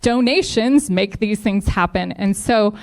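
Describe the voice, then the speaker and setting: A woman's voice: medium pitch, measured pace, darkish tone. A woman giving an upbeat, encouraging speech at a live community event, thanking donors and promoting a fundraiser. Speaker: foundation representative speaking at a district event.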